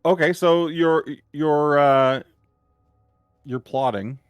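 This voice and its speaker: A man acting as game master on a streamed tabletop game, explaining with many pauses and fillers. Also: on the high side, clean tone, no echo, faint music behind. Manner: hesitant, filler-heavy explaining.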